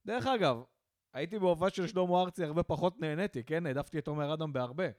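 Animated young man ranting in casual chat. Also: a little high, dry recording, clean studio sound. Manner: animated ranting, acts out quotes. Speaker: podcast co-host.

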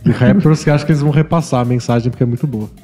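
A man co-hosting a casual podcast, reading listener questions aloud and chatting about them in a relaxed way. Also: medium pitch, racing, big-room sound, soft background music.

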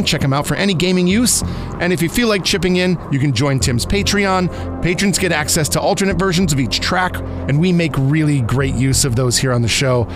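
A man hosting a podcast, giving an upbeat, appreciative announcement to listeners. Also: on the high side. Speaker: podcast producer and host. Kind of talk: scripted-sounding show announcement. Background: music.

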